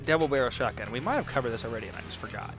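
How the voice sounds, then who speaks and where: A man chatting casually as a player in a tabletop game, thinking aloud in a halting way. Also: medium pitch, animated. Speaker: player in a tabletop RPG podcast. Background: music under the voice.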